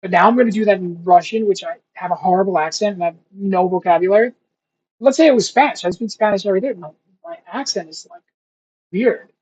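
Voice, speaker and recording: Young man, husky voice, casual rambling self-talk, sounds out words slowly, middle pitch, dull lo-fi audio. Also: a little mellow. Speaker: language learner vlogger. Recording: dull lo-fi recording.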